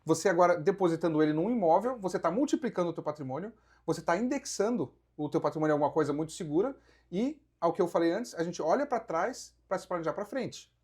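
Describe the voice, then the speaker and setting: Husky Brazilian man explaining investments. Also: sits high, expressive, fast, darkish tone. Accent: Brazilian Portuguese. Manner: explanatory, counts through figures, asks rhetorical questions. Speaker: guest, real estate investment advisor. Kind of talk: casual podcast conversation.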